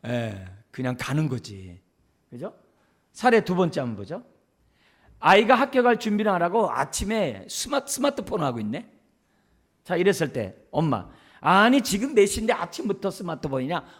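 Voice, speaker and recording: Male pastor, church sermon, lively swooping delivery, fairly high voice, rhetorical questions. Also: normal speed, long pauses, slightly rough. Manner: many rhetorical questions to the congregation. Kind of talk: sermon on parenting. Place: church service.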